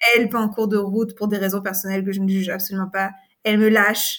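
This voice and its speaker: Very fast, somewhat breathy speech in a monotone, flat intonation. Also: woman. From Réunion. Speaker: podcast co-host. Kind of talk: casual chat.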